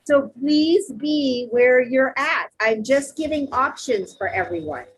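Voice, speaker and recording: A woman teaching a live online yoga class, cueing poses step by step in a loud, encouraging, chatty way over a video call. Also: sits high, expressive, slow, slightly rough, low-quality recording. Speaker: yoga instructor.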